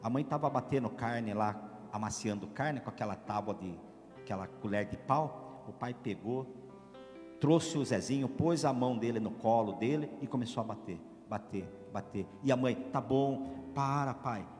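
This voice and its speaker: A priest delivers a sermon in a dramatic storytelling way, rising loud and sinking to a hush. His voice rings with long church reverb. A soft guitar plays behind him. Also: medium pitch, normal speed. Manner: dramatic, swinging from loud preaching to hushed storytelling.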